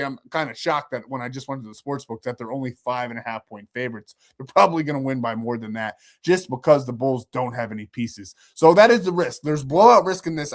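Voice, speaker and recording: A man with a slightly raised pitch runs through sports betting picks in a loose, rambling way. He is sick and his voice is starting to go. He stays confident and corrects himself as he goes. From New York. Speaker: sports betting channel host. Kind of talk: casual betting picks talk.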